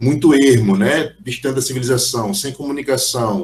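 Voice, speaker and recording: The intonation is lively and the voice somewhat breathy. The pace is moderate. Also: man. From Alagoas, Brazil. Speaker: professor, surveying engineer. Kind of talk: online lecture and Q&A. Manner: halting, many fillers.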